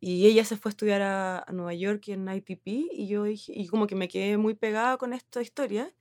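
Medium in pitch and brisk, with fairly even intonation and a slightly mellow quality, this voice belongs to a Chilean designer in her thirties being interviewed. She rambles casually in Chilean-accented Spanish, restarting often, using lots of fillers and laughing readily. The sound is clean studio audio without echo.

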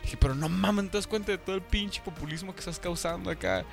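A young man with a Mexican accent co-hosting a casual podcast chat, talking in slangy, animated bursts. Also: sits high, quick pace, creaky, soft background music. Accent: Mexican Spanish. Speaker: podcast co-host.

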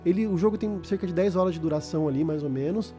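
A man's voice: fairly high pitch, fast talker, warm tone, faint music behind. A Brazilian man chatting casually as a podcast host, slangy and often repeating words as he searches for phrasing. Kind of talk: casual chat about video games.

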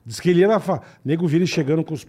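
A man's voice: a little high, racing, dark tone, husky. A man hosting a podcast, reacting eagerly and swearing often in casual chat. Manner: eager interjections, swears a lot.

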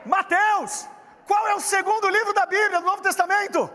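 A man with a Brazilian Portuguese accent preaching a lively sermon in a church, joking and speaking straight to the congregation. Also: very high-pitched, moderate pace, some chatter behind, a little hiss or hum. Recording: long hall reverb.

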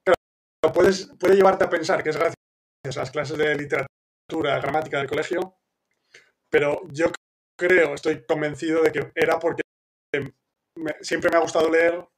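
A man's voice: fairly high pitch, level tone, normal speed, long pauses. A man who speaks Spanish as his first language, hosting a live question-and-answer session, thinking aloud with many restarts and fillers and checking in with his listeners.

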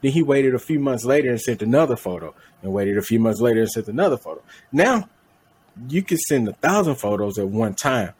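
A man's voice: medium pitch, animated, a little fast, a little mellow, husky. A man co-hosting a podcast in casual chat, rambling and correcting his own slips with a laugh. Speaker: podcast co-host.

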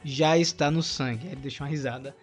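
A man's voice: medium pitch, steady tone, fast, faint music behind. A Brazilian man co-hosting a podcast in casual chat, reading a listener's email aloud with eager emphasis. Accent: Brazilian Portuguese. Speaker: podcast co-host.

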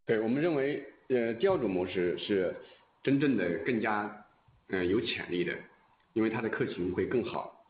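A man with a very deep voice answers as a company executive on a conference call. His phrasing is deliberate and halting. The line is narrow and phone-like. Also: animated.

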